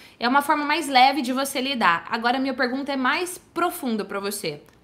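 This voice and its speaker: In a Paraná accent, a woman uses a raised, projected voice with a bright, sharp tone. Her high pitch carries lively intonation at a fairly quick pace. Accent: Paraná interior. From Paraná interior, Brazil. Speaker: psychologist and public speaking coach; public speaking coach. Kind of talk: advice Q&A video. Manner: casual, playful. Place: office. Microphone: studio mic.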